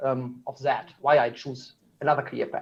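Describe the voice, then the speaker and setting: A man talks with a German accent. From Germany. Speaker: alumni speaker, business executive. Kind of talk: ceremony speech. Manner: hesitant, many fillers.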